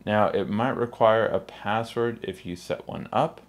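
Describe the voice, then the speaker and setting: Low-voiced man giving a tech tutorial. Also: unhurried. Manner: spells out his name letter by letter in intro and sign-off. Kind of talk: casual step-by-step phone tutorial narration.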